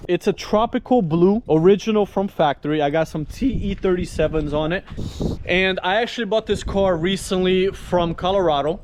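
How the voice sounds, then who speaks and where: A man's voice: fairly high pitch, slight background noise. A young man from Brazil with a Brazilian Portuguese accent, a native Portuguese speaker, casually and eagerly showing viewers around his garage in a vlog. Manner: casual, enthusiastic, repeats and restarts phrases. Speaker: car vlogger. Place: home garage.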